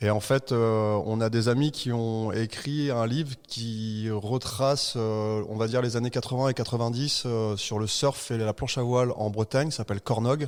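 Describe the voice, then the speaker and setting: Using an ordinary speaking voice, a man talks at medium pitch and a fairly slow pace with fairly even intonation and hardly any pauses. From Brittany, France. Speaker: surfer. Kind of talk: casual chat.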